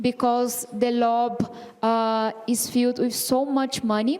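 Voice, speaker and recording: A woman with a Brazilian Portuguese accent speaks fairly slowly in a high pitch, her intonation fairly even. There is noticeable background noise. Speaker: politician. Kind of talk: panel discussion.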